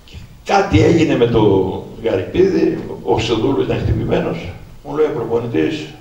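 A man's voice: medium pitch, very animated, gravelly, mellow, muffled recording. A man in his sixties, an author presenting his book, telling personal stories to an audience, speaking to them directly and acting out old conversations. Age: 60s. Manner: anecdotal, addresses listeners directly and acts out old dialogues. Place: event hall at a book presentation. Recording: echoey hall, distant mic, faint noise.

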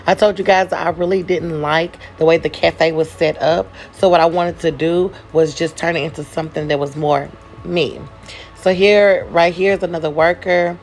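A woman's voice: fairly low pitch, a little hiss or hum. A woman hosting a gaming channel, chatting casually through a voice-over tour of a game build and talking straight to her viewers. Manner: relaxed, chatty, addresses viewers as "you guys".

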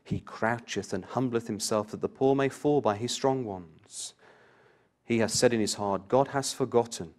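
A man leading a Bible class in a sermon style. He reads passages aloud with swelling emphasis, then explains them. Between readings he puts direct questions to his listeners, and his voice sits at a middling pitch. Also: moderate pace, a little mellow.

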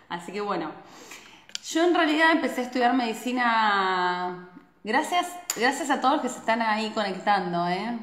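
A woman's voice: on the high side, moderate pace. A woman in her thirties from Argentina with an Argentine Spanish accent, hosting a casual live stream, chatty and full of tag questions, filmed on a phone at arm's length in a small indoor room. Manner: chatty, frequent tag questions, animated hand gestures. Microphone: phone camera at arm's length. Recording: echoey room.

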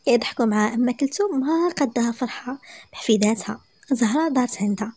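A woman with a Moroccan accent narrating a story in a brisk, lively manner. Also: a little high, husky, no echo, studio quality.

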